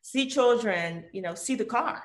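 Detroit-born woman guest, lively storyteller, roomy echo on the voice. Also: a little high, a little slow. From Detroit, USA. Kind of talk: casual conversational interview.

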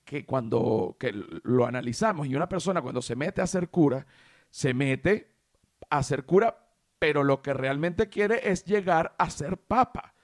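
Venezuelan guy on a podcast, bit high voice, joking around, drags words out, dry close sound. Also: no echo. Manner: animated, joking, stretches words for emphasis. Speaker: podcast host. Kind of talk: casual comedic chat.

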